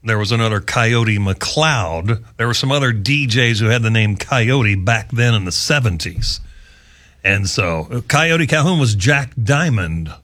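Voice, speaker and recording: A radio talk show host, a man with a slight Southern US accent, rambles through studio banter and laughs often. His pitch swings widely as he jokes around. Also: animated, a little slow, a bit bright. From Southern US, local to the station.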